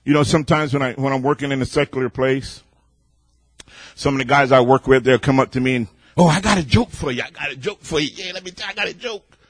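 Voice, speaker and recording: A man preaching a sermon in a loud, boisterous way, building up to near shouting and easing back into storytelling. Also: medium pitch, quick pace, no echo.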